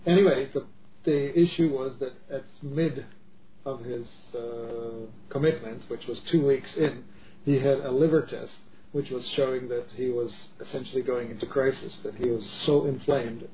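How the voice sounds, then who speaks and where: A man's voice: medium pitch, normal speed. Middle-aged man from the Czech Republic, earnest co-host, emphatic with restarts; dull recording with faint hiss. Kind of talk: casual discussion. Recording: dull lo-fi audio with faint noise.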